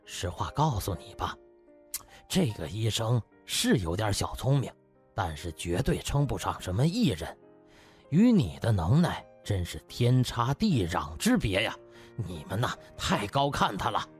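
A man's voice: fairly low pitch, sing-song, measured pace, faint music behind. A man voicing an effusive, self-assured older hospital director in an audiobook, with exclamatory delivery. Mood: dismissive.

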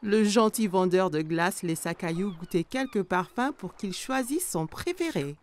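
A woman reading scripted narration for a children's story in an expressive storytelling manner. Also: medium pitch, moderate pace, a little hiss or hum.

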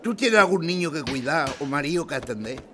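An actor playing a curt, overbearing factory boss in a Spanish radio drama. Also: male voice, a little high, lively intonation, fairly quick, fairly bright tone, slight background noise. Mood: stern, curt.

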